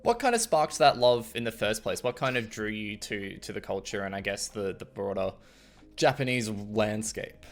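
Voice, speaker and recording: A man's voice: lowish voice, animated, normal speed, faint music behind. A man hosting an interview show, reading a scripted intro and then asking loose, friendly questions. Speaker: show host.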